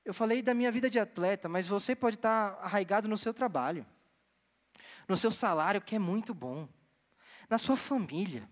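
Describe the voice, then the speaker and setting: Animated young man preaching in a church. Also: high-pitched, normal speed. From Bahia, Brazil. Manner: storytelling, animated, addresses the congregation directly. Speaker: seminarian preacher. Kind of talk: sermon. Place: church hall. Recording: long church hall reverb.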